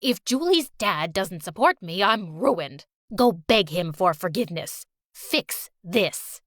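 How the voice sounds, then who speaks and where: A cold, scornful rich grandmother figure, put on by a woman narrator, her voice pushed lower than the narrator's own. She cuts and sneers in a domineering way. The recording is dry and close. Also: very animated, slow pace, fairly bright tone, dry recording, exaggerated voice. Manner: harsh, cutting, domineering. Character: scornful wealthy older woman, politician.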